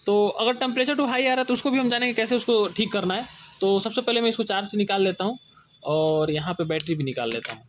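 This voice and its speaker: A man from India with a high voice talks through a hands-on phone repair, step by step. He keeps telling the viewer to look closely at each point. Faint room noise sits under the recording. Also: animated, fairly quick. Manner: explains step by step, often says "look here carefully". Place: repair workbench with a microscope.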